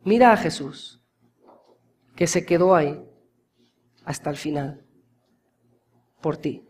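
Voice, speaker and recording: A high-pitched man delivers an impassioned sermon to his congregation. He speaks to them directly and warmly as brothers. His delivery moves between quiet, drawn-out phrases and loud, insistent peaks. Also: slight background noise. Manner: impassioned preaching, swings from hushed to loud emphasis. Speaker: pastor.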